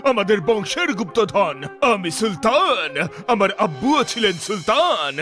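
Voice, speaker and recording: An actor voicing a rich, melodramatic desert sultan in a children's cartoon, with a theatrical singsong delivery. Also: male voice, high voice, big pitch swings, a little slow, bright, forceful tone, faint music behind, full character voice. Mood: theatrically mournful. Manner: theatrical, singsong, repeats a verbal tic. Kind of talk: dubbed children's cartoon acting.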